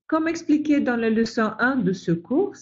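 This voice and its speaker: A woman's voice: on the high side, expressive, moderate pace, a little mellow. A woman who is not a native speaker presents a webinar, reading carefully with occasional restarts. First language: not French. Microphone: video call. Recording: lo-fi webinar audio.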